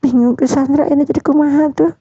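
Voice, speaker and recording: A woman voicing a young woman, eager and lovestruck, who asks quick surprised questions. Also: high voice, steady tone, warm tone, no echo. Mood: worried. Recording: dull dry lo-fi recording.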